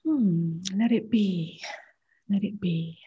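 A woman meditation teacher guiding a practice in a soft, hushed voice that often nears a whisper, with short unhurried phrases. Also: mid-range voice, breathy edge, phone-quality sound. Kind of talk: guided meditation, slow and gentle with long pauses.

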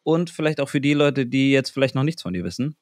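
A man's voice: mid-range voice, animated, quick pace, no echo, clean studio sound. A man, hosting a podcast interview in a casual, slightly nervous, chatty way. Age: 30s. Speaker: podcast host.

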